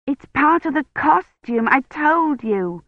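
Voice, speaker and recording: A woman's voice: sits high, expressive, slow pace, no echo, pitched above the performer's own voice. Eager young woman historian read by a woman, earnest, reassuring, dry close recording, slightly dull sound.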